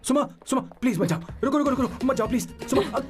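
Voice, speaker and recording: A man's voice: high voice, sing-song, a little fast, soft background music. A man dubbing an earnest young male hero, pleading and indignant in turn. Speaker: film hero. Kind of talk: Hindi film dub.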